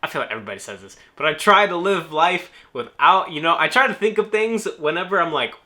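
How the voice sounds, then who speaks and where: A man's voice: a little high, animated, fast talker, bright, forceful tone. A young man from New Orleans answering viewer questions in a laid-back, joking vlog style. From New Orleans, United States. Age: young adult. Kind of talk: casual Q&A vlog.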